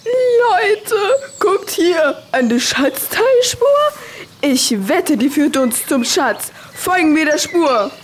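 A female performer playing an excitable leader of a cute animal gang, dramatic and exclaiming, in a children's story play. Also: high-pitched, takes it slowly, a little hiss or hum. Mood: excited.

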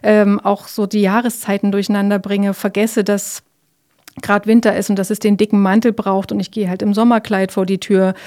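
A woman giving calm, explanatory answers in an interview, with frequent fillers and tag questions. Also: medium pitch, normal speed.

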